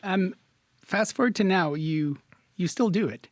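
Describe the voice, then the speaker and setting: A man's voice: high-pitched, unhurried, dry recording, clean studio sound. A male host interviewing a guest, friendly and a bit hesitant as he asks questions. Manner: friendly, hesitant, with many fillers and restarts. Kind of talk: conversational interview.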